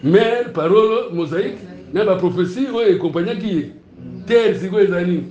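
A man with a Congolese French accent preaching a sermon, teaching in lively bursts and often asking his congregation whether it is clear. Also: high voice, moderate pace, dull audio, crowd noise. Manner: animated, asks the room if it is clear, laughs between points. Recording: roomy, echoey hall.

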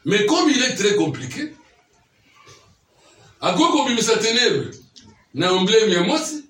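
High, lively preacher. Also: male voice, slow. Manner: keeps quizzing listeners with questions. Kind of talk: teaching sermon. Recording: echoey room, mic far off.

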